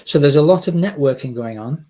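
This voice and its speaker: A man's voice: on the high side, expressive, a little fast, warm tone. A man hosting an interview, summarizing his guest's points and asking follow-up questions. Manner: summarizing and rephrasing guest's answers. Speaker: podcast host.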